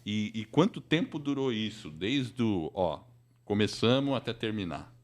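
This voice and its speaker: A man's voice: on the low side, expressive, unhurried, a little mellow. A man with a Brazilian accent hosting a podcast, asking questions and chipping in casually. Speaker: podcast host, interviewer. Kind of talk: casual interview chat.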